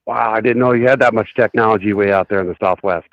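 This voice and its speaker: A man with a lowish voice chats as a guest before a radio show. He is relaxed and easygoing and laughs often. His recording sounds close and dry. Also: fast talker, no room sound, lo-fi sound. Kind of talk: casual chat.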